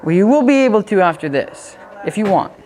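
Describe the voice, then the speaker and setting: A woman's voice: mid-range voice, sing-song, brisk, dark tone. A woman working as a dog trainer, coaching owners in a casual, chatty way and breaking off to give the dog short, upbeat commands.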